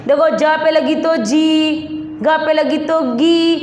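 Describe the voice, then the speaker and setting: A woman teaching young children, her voice high and unhurried. She drills syllables and stretches each word long, repeating her questions. The recording is roomy, with a long reverb behind her. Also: darkish tone. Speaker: primary school teacher. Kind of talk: slow classroom drilling of syllables and words. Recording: echoey room with long reverb.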